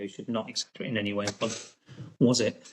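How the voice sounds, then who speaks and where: Speaking fairly quickly, a man talks in a British accent. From Britain. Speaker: history tour guide and author. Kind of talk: interview answer.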